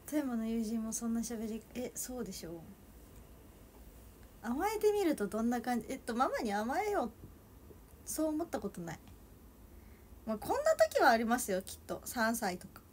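A woman's voice: a little high, very animated, normal speed, pauses often, darkish tone, slight background noise. A young woman from Toyama with a Toyama accent, chatting casually with viewers on a livestream and giggling often. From Toyama, Japan. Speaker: idol livestreamer. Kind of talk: casual livestream chat reading comments.

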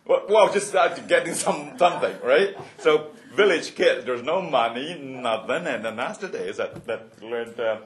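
A man's voice: medium pitch, expressive. A man in his seventies from Hong Kong, sharing childhood memories at a roundtable, with many fillers and restarts and frequent chuckles. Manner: halting, many fillers and restarts, laughs often. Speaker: roundtable speaker. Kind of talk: personal reminiscence at a panel.

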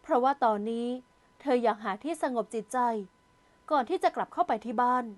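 A woman narrates a romance audio novel in a steady, measured way. Her voice sits high. The reading is calm and even.

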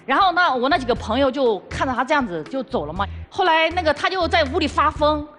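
A woman's voice: high-pitched, expressive, fairly bright tone, faint music behind. A young woman guest on a dating-conflict TV show, complaining indignantly about her partner and cutting in on him. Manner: fast, indignant, cuts in. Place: TV studio stage.

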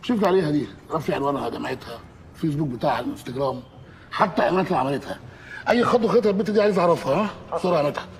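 Stern Egyptian police-boss type, higher-set voice, rushed clipped orders, film delivery, noisy backdrop. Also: male voice, lively intonation. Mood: commanding. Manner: commanding, clipped. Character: bossy, stern senior investigator. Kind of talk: screen drama acting. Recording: clear background ambient noise.

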